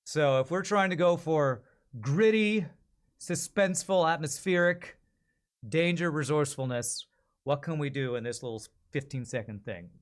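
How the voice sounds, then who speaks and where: A man's voice: a little high, expressive, normal speed. A man hosting a livestream, chatting informally and thinking aloud to his viewers. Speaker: livestream host. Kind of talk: casual chat to stream viewers.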